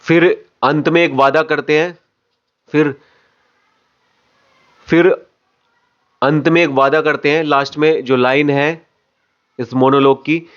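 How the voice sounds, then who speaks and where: A man's voice: fairly high pitch, steady tone, takes it slowly, long pauses, highs cut off. A man coaching acting, explaining phrase by phrase and repeating words for emphasis. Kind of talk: explanatory lesson on voice modulation.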